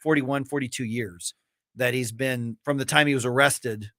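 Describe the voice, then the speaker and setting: Halting male talk radio host. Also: medium pitch, fairly even intonation, bright, forceful tone, dry recording, studio quality. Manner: halting, many restarts and fillers. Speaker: morning radio show host. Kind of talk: casual talk radio banter. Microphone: studio microphone.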